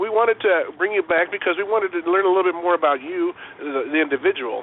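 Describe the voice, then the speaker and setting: A man talking very fast with ordinary pitch variation amid noticeable background noise. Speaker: radio host. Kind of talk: interview.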